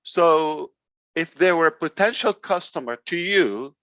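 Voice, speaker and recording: A man's voice: a little high, lively intonation, unhurried, a bit bright, dry recording. A man leading a company, addressing members in a blunt, emphatic motivational talk. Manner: blunt, emphatic, sarcastic at times. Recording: dull, dry recording.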